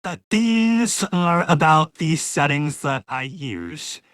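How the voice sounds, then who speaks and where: A woman talking casually through a software demo, her voice converted by a real-time voice changer into a masculine one. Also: sits low, animated, slow, no echo, clean studio sound. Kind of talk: casual live software walkthrough.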